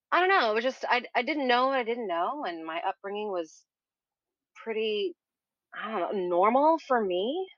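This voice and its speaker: A woman's voice: fairly high pitch, dry recording, dull audio. A woman from Texas who works as a doula and strength coach, talking casually as a guest with many restarts. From Texas, Houston area. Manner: rambling, with many restarts and "you know". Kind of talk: casual interview chat.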